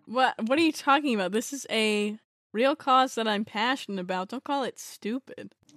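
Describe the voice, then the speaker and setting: In a normal speaking voice with a fairly high pitch, a woman talks at a moderate pace, the sound dry and close with no echo over a quiet background. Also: ordinary pitch variation. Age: 20s. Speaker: podcast co-host. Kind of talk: casual chat.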